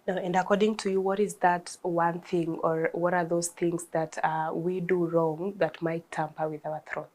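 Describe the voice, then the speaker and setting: Woman show host, lowish voice, measured and polite. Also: little pitch movement, darkish tone. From Kenya. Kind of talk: interview hosting.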